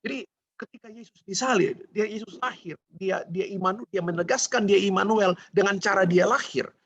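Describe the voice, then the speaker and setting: Gravelly-voiced man preaching. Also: sits high, moderate pace, fairly bright tone, dry recording, muffled recording. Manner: conversational, asks and answers his own questions. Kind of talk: Christmas sermon.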